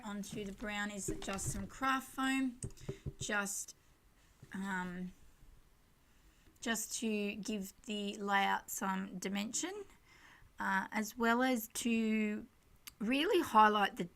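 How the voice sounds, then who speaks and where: A woman's voice: mid-range voice, slow, a bit bright. A woman giving a casual, chatty and rambling scrapbooking voice-over as the host, with a self-deprecating way of talking. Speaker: craft channel host.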